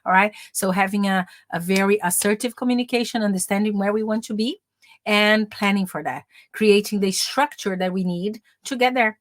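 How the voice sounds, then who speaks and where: A woman's voice: mid-range voice, moderate pace. A woman from Brazil teaching English and career skills, switching between Portuguese and English and asking her viewers questions. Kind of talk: bilingual English lesson. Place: lives in the UK.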